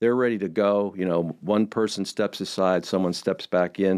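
This man has a normal speaking voice with fairly low pitch and ordinary pitch variation. He talks at a moderate pace against a quiet background. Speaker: town commissioner. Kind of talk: radio interview. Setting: studio.

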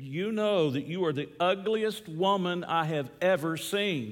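A man uses a put-on character voice. He speaks in a high pitch at a fairly slow pace. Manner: squawking.

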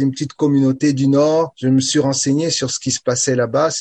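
A man's fairly high-pitched, monotone voice with flat intonation, in a dry, close sound with no echo. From West and Central Africa (Togo, Gabon, Benin, Ivory Coast, Congo). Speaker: novelist. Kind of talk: interview. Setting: radio studio. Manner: hesitant, repeats words.

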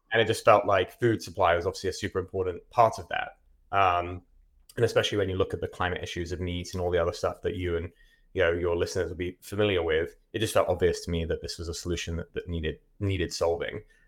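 A man's very fast delivery in a British accent, captured in a very clean recording with a silent background. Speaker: startup CEO and co-founder.

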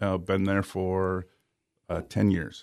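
Against a quiet background, a man with an ordinary speaking voice speaks at a fairly low pitch. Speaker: golf course manager. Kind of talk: casual radio interview. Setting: radio studio.

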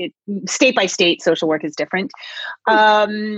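A woman with a plain, everyday voice talks at a moderate pace with lively intonation, recorded dry and close with no echo against a quiet background. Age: 50s. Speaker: parenting expert. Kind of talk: interview.

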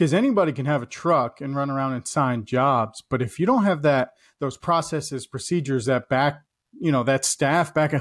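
A man with an American accent uses an unremarkable speaking voice at a fairly high pitch, moderate pace and ordinary pitch variation, in a very clean recording with a silent background. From Central Florida. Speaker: podcast host. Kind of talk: casual interview.

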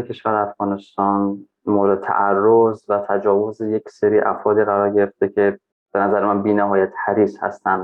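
Moderate pace from a man with a fairly low pitch. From Afghan raised in Iran (Shiraz). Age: 20s. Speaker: Afghan migrant. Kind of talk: interview.

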